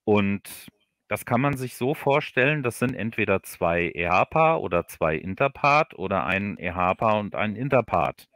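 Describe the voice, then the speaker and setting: A man with a fairly low voice, recorded close and dry. He explains things in casual interview style, halting and circling back to repeat words as he builds his point. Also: lively intonation, a bit bright, no echo. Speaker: guest audio drama writer. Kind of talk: casual interview chat on a livestream.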